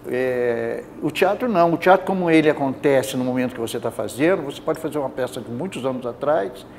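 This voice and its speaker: A man's voice: medium pitch, lively intonation, brisk, a little mellow, a little hiss or hum. An older man, an actor, talking as a guest in a TV studio interview, rambling and restarting his sentences as he thinks, on a lapel mic. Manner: rambling, restarts mid-thought. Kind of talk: casual studio interview chat. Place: bright indoor TV studio, seated.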